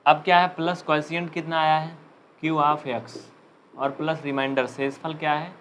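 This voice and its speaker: A man's voice: fairly high pitch, level tone, a bit bright, a little hiss or hum. Chatty male maths teacher, UP Hindi. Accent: Uttar Pradesh Hindi. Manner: chatty, joking, dictates slowly. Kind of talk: live online class.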